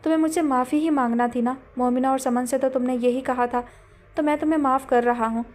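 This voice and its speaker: Woman voicing fed-up young man, curt, dismissive, high. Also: steady tone, a little mellow, close to an everyday voice. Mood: irritated. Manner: irritated, dismissive. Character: weary proud young man, landowner's son.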